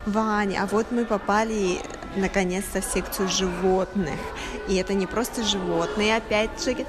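A woman radio host chatting on a museum tour, lively and curious and asking her companion questions. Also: medium pitch, moderate pace, over music. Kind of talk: casual chat on a museum tour. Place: museum exhibition.

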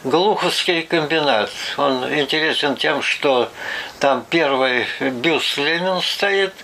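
An older man from Russia recalling his early life for an oral history interview, unhurried and pausing often to gather his thoughts. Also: a little high, vocal fry, pushed and bright, slight background noise, rough recording. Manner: unhurried recollection with hesitations and "вот" asides.

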